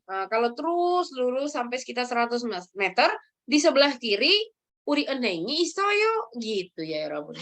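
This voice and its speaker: A woman teaching a language lesson, ending phrases with quick check-ins to her students. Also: high voice, a bit bright. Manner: tags sentences with "ya" and calls on students.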